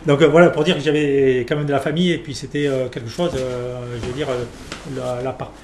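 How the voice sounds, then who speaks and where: A man's voice: mid-range voice, fairly even intonation, brisk, darkish tone, a little hiss or hum. A man, a winemaker guest talking through his career with a lot of fillers and restarts. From Perpignan, France. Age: 40s. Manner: hesitant, many fillers and restarts. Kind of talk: casual interview. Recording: echoey room with faint ambience.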